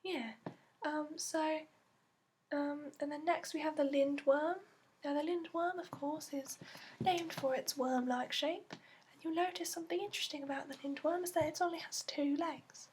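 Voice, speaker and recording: A woman playing a gentle female dragon expert in a soft-spoken, partly whispered ASMR fantasy roleplay, explaining slowly and hesitantly in a put-on accent. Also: sits high, steady tone, slight background noise, close to an everyday voice. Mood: gentle, informative. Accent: put-on, non-native to the performer.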